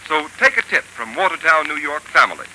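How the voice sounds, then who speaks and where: A man announcing and reading an advertisement on a 1930s radio show in a brisk, persuasive manner. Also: a little high, sing-song, sharp tone, low-quality recording. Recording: hissy old 1930s radio broadcast.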